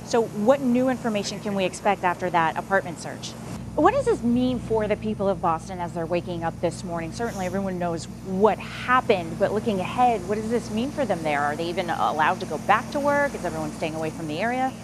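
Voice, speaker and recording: A woman's voice: mid-range voice, expressive, fairly quick, background noise. A woman anchoring a live local morning TV newscast, talking to viewers directly in a conversational way.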